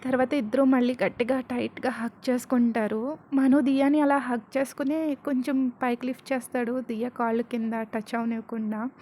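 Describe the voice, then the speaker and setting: A woman's voice: a little high, little pitch movement, moderate pace, mellow. A woman telling a romance story in a casual narrating style, mixing in English words.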